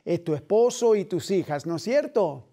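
A middle-aged man hosting a Christian television interview in a studio, speaking earnestly and in a measured way. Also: high voice, lively intonation. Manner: earnest, measured, with gentle hand gestures. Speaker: host.

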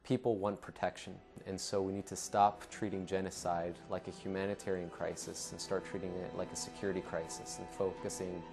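Young man, deep flat earnest voice. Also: a little fast, vocal fry, few pauses, over music. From Ecuador. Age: young adult. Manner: earnest, steady storytelling with some fillers. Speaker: founder of an anti-genocide network. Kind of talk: telling his life story to camera. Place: studio with dark backdrop.

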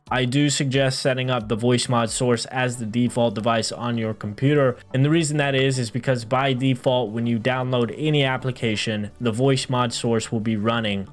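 A man in his thirties hosting a software tutorial, explaining things methodically step by step in an instructional style. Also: mid-range voice. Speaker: tutorial host. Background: background music.

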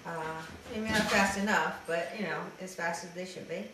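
A middle-aged trans man with a slightly raspy voice, talking hesitantly to his video diary with many fillers, then reading a letter aloud. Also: sits high, steady tone, normal speed. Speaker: vlogger. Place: dim room indoors, seated in an armchair. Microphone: camera mic at a distance. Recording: echoey room from far off, faint hiss.

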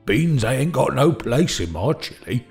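Man acting a folksy, wildly animated older fellow. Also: mid-range voice, unhurried, gravelly, faint music behind. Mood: animated, indignant. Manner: rambling, stammering, colloquial. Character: folksy, excitable, good-natured older working man. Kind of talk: audio drama acting.

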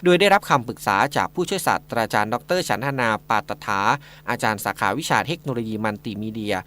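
Man, radio news reporter, brisk pace, average pitch, scripted report. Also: expressive, pushed and bright.

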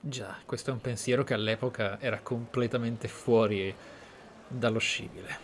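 A man's voice: medium pitch, steady tone, normal speed, a little hiss or hum. A man with an Italian accent hosting a roleplay game playthrough, commentating in a reflective, conversational way. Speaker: host, game streamer. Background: game music.

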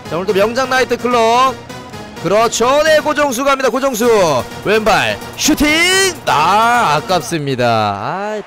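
Nursing a head cold and a sore throat, a man live-streams a football game with commentary in a very high-pitched voice. He jokes in a mock nightclub-waiter patter and yells excitedly whenever there's a shot on goal.

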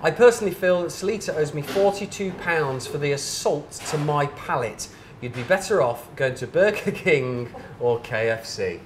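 A man's voice: on the high side, expressive, normal speed, a little hiss or hum. A man in his thirties hosting a casual chat in a restaurant, reading reviews aloud with dramatic emphasis. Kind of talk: casual interview. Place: restaurant dining room. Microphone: lapel mic.

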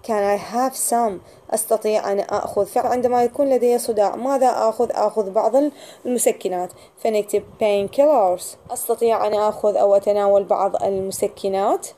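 Mellow-voiced woman teaching English. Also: mid-range voice. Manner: reads English sentences slowly, then explains them. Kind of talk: explaining a lesson.

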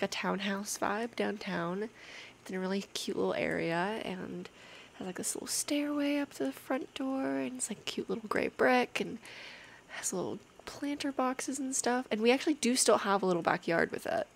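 A young woman plays a girlfriend chatting intimately in an ASMR style. Her voice is soft and often close to a whisper, with a creaky edge and a casual, hesitant flow. Faint rainy-night ambience sits behind her. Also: medium pitch. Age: 19, young adult. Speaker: ASMR roleplay performer playing an affectionate girlfriend. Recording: clear background noise, rainy night ambience. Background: rain ambience.

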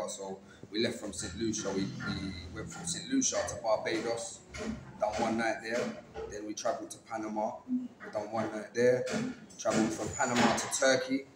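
A man with an East London accent, telling a story in an easygoing, rambling way. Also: on the low side. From England. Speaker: restaurant team member. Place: restaurant seating area, indoors. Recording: roomy with background noise.

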